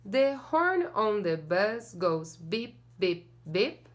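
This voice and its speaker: A woman's voice: medium pitch, sing-song, very slow. A young woman teacher reading a picture book aloud to children and singing along, cheerful and sing-song, recorded in front of a camera in a small classroom corner.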